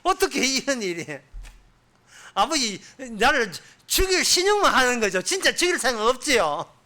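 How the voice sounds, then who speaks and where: A man's voice: extremely high pitch, sing-song, moderate pace, sharp tone, pitched above the performer's own voice, full character voice. A man with a Gyeongsang accent voicing young Isaac, a worried son who keeps asking his father plaintive questions. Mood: pleading. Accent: Gyeongsang Korean.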